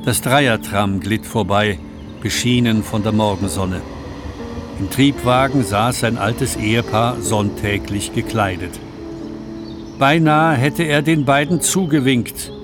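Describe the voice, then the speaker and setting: A man reading the narration of a radio play in a calm, measured way. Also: medium pitch. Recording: music playing underneath.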